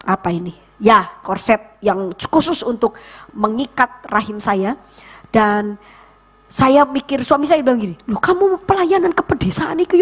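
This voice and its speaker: A woman in her forties with an East Javanese accent, a pastor preaching a sermon with personal testimony and animated storytelling that acts out quoted voices. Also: fairly high pitch. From East Java, Indonesia.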